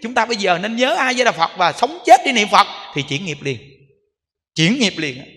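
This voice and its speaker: High, bright-voiced Southern Vietnamese monk preaching. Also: male voice, sing-song, moderate pace. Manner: emphatic, repetitive, rhetorical questions to the audience. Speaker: Buddhist monk giving a dharma talk. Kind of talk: sermon. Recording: long hall reverb.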